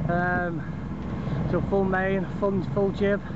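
Loud background noise surrounds a man's voice, which has a dry sound with no echo. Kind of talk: casual vlog chat. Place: boat. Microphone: phone near.

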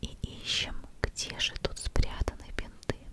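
A woman's voice, dry with no echo, amid loud background noise. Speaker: beauty vlogger reviewing perfumes. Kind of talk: casual vlog chat, product review. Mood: warm, playful. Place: home room. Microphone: studio mic.

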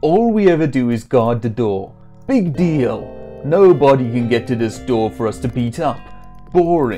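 A whiny, put-on character voice at a low-to-middle pitch moves at a moderate pace over clear music in the background. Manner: bored, whiny, thuggish.

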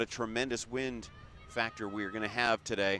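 The sound is dry with no echo as a man speaks at a fairly quick pace over light background noise. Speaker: soccer commentator. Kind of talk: live play-by-play soccer commentary. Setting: broadcast of a match at the stadium. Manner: knowledgeable, analytical, explaining tactics between plays.

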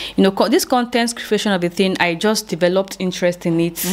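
With a Nigerian accent, a woman speaks at a medium pitch and a moderate pace. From Nigeria, Imo State (southeast, Igbo). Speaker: YouTuber and trader. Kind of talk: interview. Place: home room. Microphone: studio mic.

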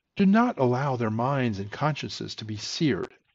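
Somewhat breathy and moving at a moderate pace, this man's voice has lively intonation. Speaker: church prayer leader. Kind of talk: devotional reading followed by fervent prayer. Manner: earnest, solemn, fervent prayer tone; formal, measured devotional delivery. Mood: calm, solemn, earnest. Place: office. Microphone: headset.

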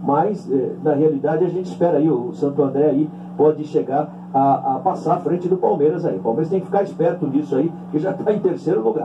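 Noticeable background noise sits behind a man speaking at a fairly quick pace with a fairly high pitch. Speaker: radio sports commentator. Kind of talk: sports radio commentary. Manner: conversational, hesitant with repeated words. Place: studio.

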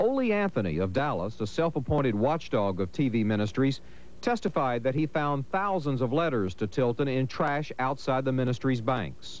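A man with a plain, everyday voice, medium pitch, lively intonation, very even loudness, a moderate pace and hardly any pauses. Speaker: TV news reporter. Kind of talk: news report. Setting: remote studio.

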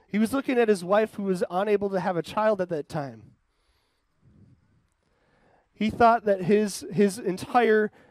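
Over a quiet background, a man talks in a high pitch at a fairly slow pace. The sound is dry, with no echo. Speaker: preacher. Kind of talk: sermon. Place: stage.

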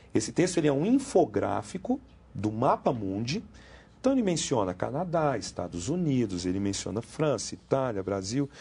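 Against a quiet background, a man at a medium pitch talks at a moderate pace in a dark, mellow, somewhat breathy tone, his voice making very wide pitch swings. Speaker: essay-writing teacher. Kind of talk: live educational commentary. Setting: studio.

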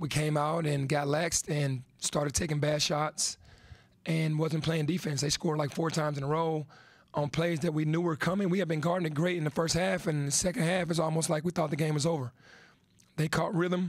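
Against a quiet background, a man speaks at a fairly quick pace with fairly even intonation and very even loudness, in a dry sound with no echo. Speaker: basketball head coach. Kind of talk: press conference answer. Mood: subdued, reflective after loss. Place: meeting room. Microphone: podium.

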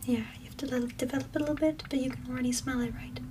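Soft-spoken and gentle in tone, a woman talks over light background noise. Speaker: ASMR creator. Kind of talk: ASMR perfume shop roleplay, personal attention. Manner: soft-spoken, gentle. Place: home room.

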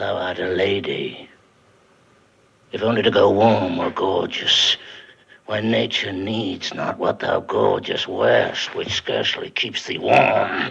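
Raspy and fairly slow, a man talks in a put-on character voice. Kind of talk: Shakespearean dramatic monologue. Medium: stage.

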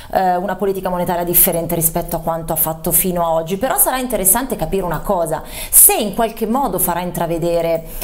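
At a very fast pace, a woman speaks in a fairly low voice with very even loudness. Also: ordinary pitch variation. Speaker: news anchor. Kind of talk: news commentary. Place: studio.

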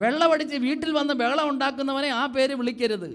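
A man speaks at an extremely high pitch with fairly even intonation. Room echo is audible. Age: 50s. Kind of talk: public speech. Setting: stage with audience. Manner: formal.

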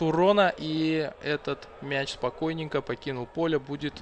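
A man pitched fairly high talks at a moderate speed, his intonation fairly even, with noticeable background noise behind him. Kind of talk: live football commentary over match highlights.

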